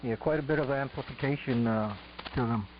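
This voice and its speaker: A man's voice: mid-range voice, fairly quick. A man talking casually and thoughtfully, with halts, as an amateur radio operator on an AM shortwave transmission. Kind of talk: casual technical chat over ham radio. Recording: noisy, dull AM shortwave radio. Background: steady radio noise.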